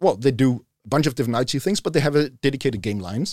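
The intonation is lively, and the sound is dry and close with no echo, on a very clean recording with a silent background. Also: man. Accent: Danish. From Denmark. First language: Danish. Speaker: lead game designer. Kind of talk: casual chat. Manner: halting.

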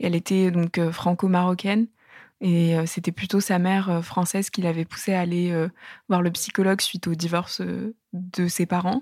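A woman's fairly low, monotone voice with flat intonation, at a moderate pace and very even loudness, in a dry, close sound with no echo and a very clean recording over a silent background. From Morocco, Marrakech. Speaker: student, mental health testimony. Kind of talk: testimony. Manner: hesitant, many fillers.

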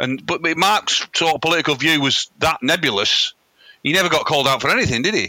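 Fairly quick and lively in intonation, a speaker with a Mancunian accent keeps loudness very even in a dry, close sound with no echo. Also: man, fairly high pitch for a man. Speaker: podcast host and former band musician. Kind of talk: casual chat; scripted introduction.

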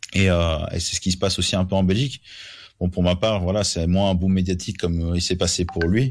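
Over a quiet background, a man talks at a fairly quick pace in a very deep, low pitch. His loudness is very even and his intonation fairly even. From Belgium. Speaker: wheelchair tennis player. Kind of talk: interview. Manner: hesitant, with repetitions.

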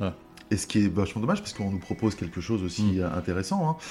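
The man talks at a very fast pace. His pitch is very deep and low. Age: 20s. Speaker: podcast host. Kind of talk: reading aloud; casual chat.

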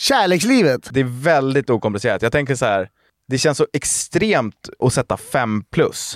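In a normal speaking voice at a moderate pace, the speech carries lively intonation and very even loudness, with a dry, close sound with no echo on a very clean recording with a silent background. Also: man, medium pitch for a man. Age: 20s. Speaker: podcast co-host. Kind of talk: casual chat.

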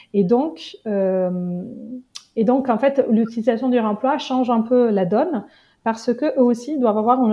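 A woman speaks at a moderate pace with a slight Italian accent. Her fairly high pitch shows ordinary pitch variation. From Italy, Genoa. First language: Italian (speaking French). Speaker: homeowner and entrepreneur in material reuse. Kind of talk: interview. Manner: halting.

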